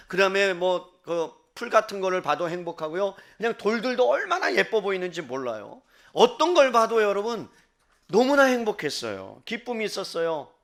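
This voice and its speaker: A man preaching a sermon as pastor, asking the congregation questions and dropping his voice low for quoted inner thoughts. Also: a bit bright. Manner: asks the congregation direct questions.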